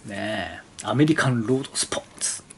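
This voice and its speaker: Against slight background noise, a man with a fairly low, lively voice talks casually on his motorcycle channel. Leafing through an old brochure, he rambles, asks the viewer questions, and reads its text out slowly.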